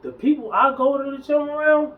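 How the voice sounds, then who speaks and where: A man's voice: extremely high pitch, a little fast, distant mic, narrow, tinny audio. Emphatic man in his forties ranting. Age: 40s. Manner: emphatic, preachy, slangy, repeats himself. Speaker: fitness vlogger. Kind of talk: casual ranting monologue.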